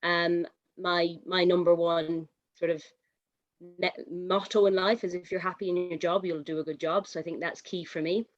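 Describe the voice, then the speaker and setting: A woman's voice: lowish voice, flat delivery, normal speed, no room sound, highs cut off. A woman finance director speaking on a video call, reflective and self-deprecating with some hesitation.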